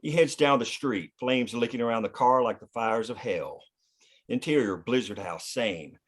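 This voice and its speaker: A man's voice: mid-range voice, normal speed, breathy edge. A man reading stage directions as the narrator of a screenplay, in scripted narration.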